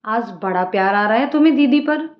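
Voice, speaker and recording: A woman voicing a lively young woman, an outspoken sister-in-law who jokes and bosses others around. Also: on the high side, fairly quick, close to an everyday voice. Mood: teasing. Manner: bossy, joking, outspoken. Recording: roomy lo-fi room sound.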